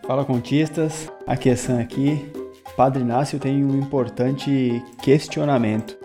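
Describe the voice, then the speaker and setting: A man's voice: medium pitch, steady tone, measured pace, dark tone. A man with a Brazilian accent introducing himself as a player on a tabletop RPG show. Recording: faint music behind the voice.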